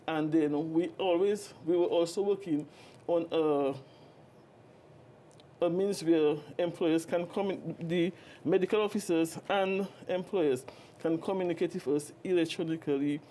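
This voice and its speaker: A woman's voice: sits low, dark tone, slight background noise. A middle-aged woman with a Dominican Caribbean accent, giving formal answers as an official in an interview. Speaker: guest, social security official. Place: office, indoors. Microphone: lapel.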